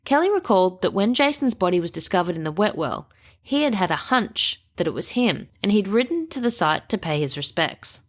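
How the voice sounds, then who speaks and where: A woman hosting a true crime podcast, reading a measured scripted narration with a stuffy nose. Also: mid-range voice, big pitch swings. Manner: measured, reasoning aloud through evidence.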